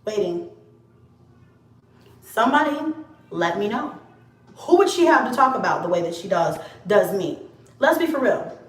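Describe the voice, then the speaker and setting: A woman's voice: medium pitch, sing-song, unhurried, long pauses. A young adult woman on her own channel, ranting bluntly and with heavy profanity straight at a rival. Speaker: YouTuber. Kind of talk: confrontational vlog rant. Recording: echoey room, mic at a distance.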